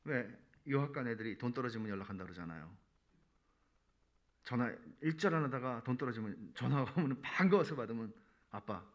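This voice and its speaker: A man's voice: medium pitch, expressive, brisk, lo-fi sound. A male pastor preaching a sermon in a conversational way, with playful asides.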